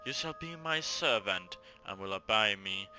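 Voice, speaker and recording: A man's voice: fairly low pitch, expressive, measured pace, over music. A man voicing a proud, cruel, seductive female villain in an amateur read-aloud of a visual novel, with a haughty, commanding manner. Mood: commanding, pleased.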